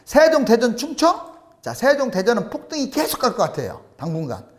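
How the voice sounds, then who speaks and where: A man talks alone through a series of charts, pressing his points and firing off rhetorical questions. His voice sits high for a man and swings widely in pitch as he stresses each figure. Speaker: real estate commentator. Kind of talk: solo commentary over charts.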